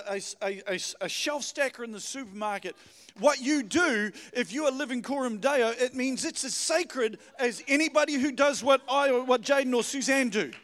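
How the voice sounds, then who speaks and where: Male preacher, middle-aged, New with influence. High-set voice, exhortatory, repetitive emphasis, long hall reverb. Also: fairly bright tone. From New Zealand. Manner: informal, exhortatory, repeats phrases for emphasis. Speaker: guest pastor. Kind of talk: sermon to a congregation. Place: church hall, speaking to congregation.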